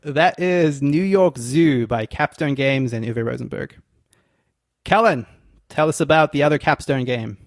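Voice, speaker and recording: A man co-hosting a casual board game podcast, easygoing and thinking out loud as he talks. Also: medium pitch, no room sound, studio quality. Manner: relaxed, thinks aloud with fillers and quick laughs. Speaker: podcast co-host.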